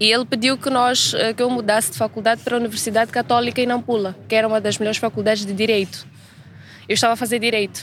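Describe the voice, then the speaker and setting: A woman with fairly high pitch talks at a very fast pace in a monotone with flat intonation. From Mozambique. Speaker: green entrepreneur. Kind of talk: podcast interview. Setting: outdoors.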